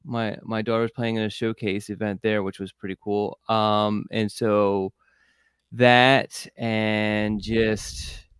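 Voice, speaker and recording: Man, middle-aged, relaxed rambling talk, clear voice, dry close recording. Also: lowish voice, takes it slowly, no echo. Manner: easygoing, rambling, friendly. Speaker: recruiting reporter, co-host. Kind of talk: casual sports chat.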